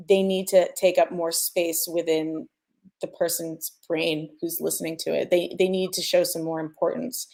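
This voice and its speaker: A woman's voice: on the low side, mellow. A woman explaining her work as a sound designer in an informal, conversational way, thinking aloud and stressing key points. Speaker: sound designer sharing mixing advice.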